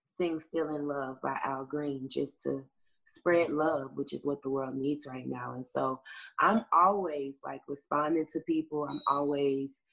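A woman's voice: rumbling low, fairly even intonation, unhurried, vocal fry, a bit bright, husky, rough recording. A woman from the American South, a singer, chatting upbeat in an interview with many fillers. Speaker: singer, guest. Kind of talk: casual interview answers.

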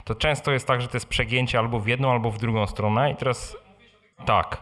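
A man's voice: mid-range voice, fairly even intonation, fairly quick, a bit bright. A man hosting a live question-and-answer session, talking in a colloquial, direct and informal way. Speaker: host and blogger answering audience questions. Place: live meeting in front of an audience.

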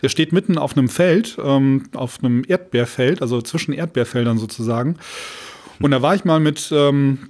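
A man's voice: mid-range voice, moderate pace, a little mellow. A man from the Ruhr area of Germany chatting casually as a podcast co-host, telling jokey anecdotes.

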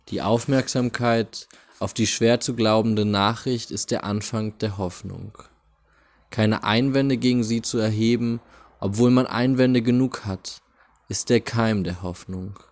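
A man hosting a podcast, reading a devotional text aloud in a deliberate, solemn way near a busy street. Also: fairly low pitch, darkish tone. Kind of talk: slow, measured reading of a spiritual text.

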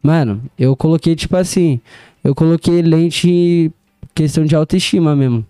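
A man's voice: on the high side, moderate pace, mellow, clear, resonant tone, no echo, clean studio sound, soft background music. A young man telling stories as a podcast guest, easygoing and full of slang. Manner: laid-back street slang, storytelling, laughs often. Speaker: DJ and music producer guest. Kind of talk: casual podcast interview.

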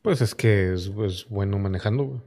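A man's voice: lowish voice, fairly quick, a little mellow. A man with a Mexican accent in casual conversation, speaking informally with plenty of crude slang. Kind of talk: casual chat.

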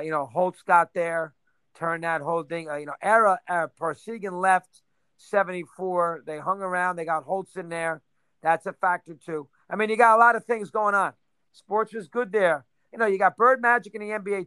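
A man in his sixties, reminiscing in a casual interview, rambling and rattling off names in quick bursts. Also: high voice, steady tone, pushed and bright, clean tone, no room sound. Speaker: interview guest.

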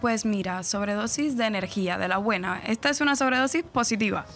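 A Cuban radio presenter with a central-eastern accent from Camagüey chats at length as a guest in a casual radio interview. Her mid-range voice is brisk and fairly bright. She's talkative, explains things in detail and laughs easily.

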